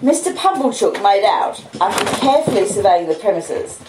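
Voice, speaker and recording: A woman's voice: mid-range voice, big pitch swings, normal speed. An Australian woman reading aloud and chatting to listeners as a streaming storyteller. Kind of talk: expressive audiobook-style reading of a classic novel with casual chat. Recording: roomy echo, clear background noise or hiss.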